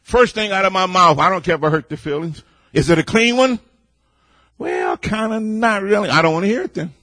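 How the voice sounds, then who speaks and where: A man preaching a sermon in a loud, boisterous way, building up to near shouting and easing back into storytelling. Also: sits high, fairly quick, no echo, clean studio sound.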